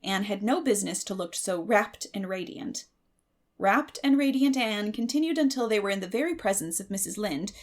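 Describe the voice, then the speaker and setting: A woman narrates a storybook in a medium-pitched voice with noticeable creak. Her delivery is measured and expressive, in a dramatic audiobook style.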